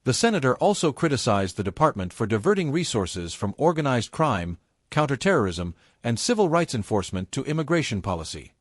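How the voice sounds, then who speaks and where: A man reads a scripted news summary in a steady, measured way. His intonation is lively and the voice-over sounds dry and close. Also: medium pitch, no room sound. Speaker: narrator.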